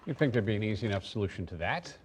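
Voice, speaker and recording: A man's voice: fairly low pitch, lively intonation, very fast. An American man co-anchoring morning news with offhand, teasing banter and casual story introductions, over noisy broadcast audio.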